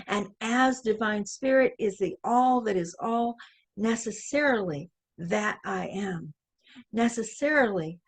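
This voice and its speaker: A woman minister speaks a prayer at a slow, measured pace. Her delivery is deliberate and incantatory, with each phrase set apart. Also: mid-range voice. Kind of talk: spoken affirmative prayer.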